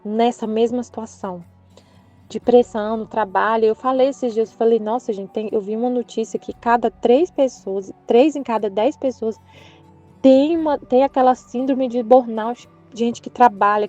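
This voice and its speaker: A Brazilian woman with a fairly high voice speaks earnestly about her faith, searching for words and circling back as she goes. The sound is dull and lo-fi, with soft music under her voice. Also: normal speed. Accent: Brazilian Portuguese. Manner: earnest, rambling, with frequent restarts and hesitations. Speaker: Catholic channel presenter. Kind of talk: personal spiritual reflection.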